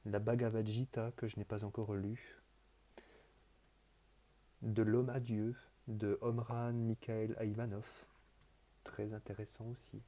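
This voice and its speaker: Very dark-voiced man, rambling softly. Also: fairly low pitch, level tone, takes it slowly, pauses often. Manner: rambling and hesitant, with repeated words and restarts; earnest, softly enthusiastic. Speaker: vlogger presenting his books. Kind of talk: casual, improvised monologue.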